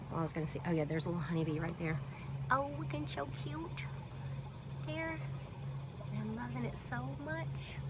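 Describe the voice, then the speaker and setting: A woman's voice: fairly low pitch, noisy background. Chatty Southern woman with a head cold. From Alabama Gulf Coast, US. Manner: chatty and rambling, many fillers. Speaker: gardening vlogger. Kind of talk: casual walking garden tour. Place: outdoor home garden.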